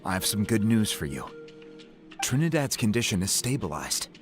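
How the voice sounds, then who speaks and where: An actor playing a male tribal chief in a video game, measured and reassuring as he explains things. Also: lowish voice, sing-song, over music. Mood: reassuring, explanatory. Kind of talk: scripted video game voice acting.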